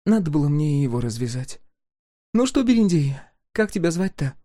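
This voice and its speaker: A man voicing a sharp-tongued young peasant woman in an audiobook, with a bossy, teasing manner. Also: a little high, sing-song, normal speed, no echo, clean studio sound, voice pushed up. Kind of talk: audiobook character voice.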